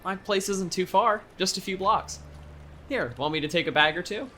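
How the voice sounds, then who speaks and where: A man's voice: high-pitched, normal speed, sharp tone, slight background noise. An actor playing a friendly, easygoing young man from an island town in an audio drama, casual and reassuring. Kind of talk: naturalistic audio drama acting.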